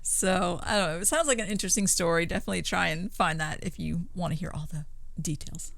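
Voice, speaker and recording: Female podcast co-host, lower register, relaxed conversational retelling of spooky stories, very dry recording. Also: fast talker, vocal fry, no room sound. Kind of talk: casual retelling of paranormal stories.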